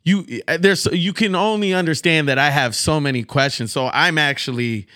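A man's voice: fairly high pitch, moderate pace, sharp tone, dry recording, studio quality. An American man hosting a podcast interview in a casual, informal and supportive way.

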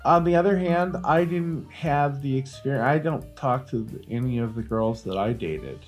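A man's voice: mid-range voice, normal speed, a little mellow, soft background music. A middle-aged man co-hosting a comedy podcast, rambling in casual chat with many fillers and restarts. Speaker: podcast co-host.

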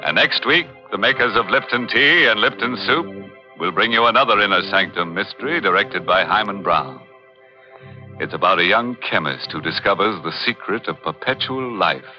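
An American actor playing a gleeful, sardonic horror host in 1940s radio style, with a drawn-out sinister delivery. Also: male voice, lowish voice, animated, bright, forceful tone. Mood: mock-sinister. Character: ghoulish, gleeful male horror show host. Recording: dull old radio recording, organ music behind.

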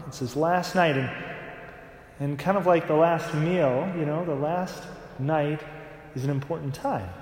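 A fairly high-pitched man leads Mass as a priest, first reading the Gospel and then moving into a relaxed homily full of "right?" tags. His voice rings through a large church with a long cathedral echo that trails after each phrase. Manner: talks in a casual way with frequent "right?" tags. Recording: long echoing church reverb.

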